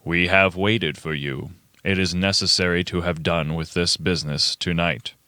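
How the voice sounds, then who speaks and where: Man reading as a stern, low-spoken, formal coroner. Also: steady tone, normal speed, pushed and bright, smooth, no echo, clean studio sound. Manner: formal, grave. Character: stern, authoritative male coroner, formal and measured. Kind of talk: amateur radio play reading.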